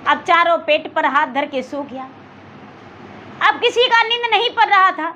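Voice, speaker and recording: A woman with a Bihari accent narrates a religious folk story in an extremely high, bright voice. She takes her time, speaking in a homely village manner and repeating phrases for emphasis. The recording is dull and lo-fi, with faint noise behind her. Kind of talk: oral storytelling with acted dialogue, addressing a devotional gathering.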